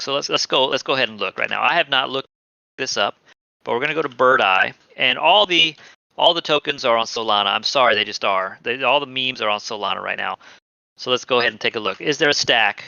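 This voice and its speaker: A man hosting a casual crypto streaming show, chatty and animated, often laughing. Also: medium pitch, fairly quick, gravelly, no echo, dull audio. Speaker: podcast host.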